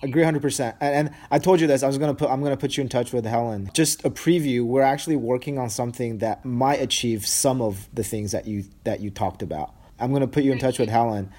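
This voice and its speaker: A man interviewing guests at a conference, chatty and asking quick follow-up questions. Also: mid-range voice, dark tone. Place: conference venue.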